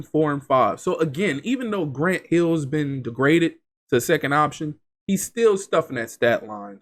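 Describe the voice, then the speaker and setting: A congested man getting over an illness, casually commenting on a basketball video game simulation and rattling off player stats. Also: on the high side. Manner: reels off stats, chatty and excitable. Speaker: gaming channel host.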